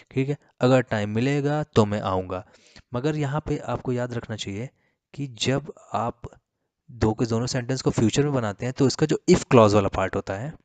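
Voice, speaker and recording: A man teaching English grammar for exams, explaining in Hindi, reading example sentences slowly and spelling words letter by letter. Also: medium pitch, darkish tone, no echo. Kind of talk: exam-prep grammar lesson.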